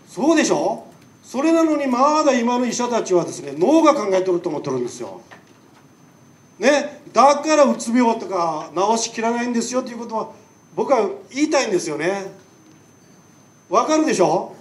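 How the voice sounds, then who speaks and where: A man's voice: very high-pitched, very animated, moderate pace. A man with a Nagasaki accent giving a public lecture as a doctor, chatty and firing rhetorical questions at the audience. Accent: Nagasaki dialect. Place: lecture hall. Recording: echoey hall, mic far off.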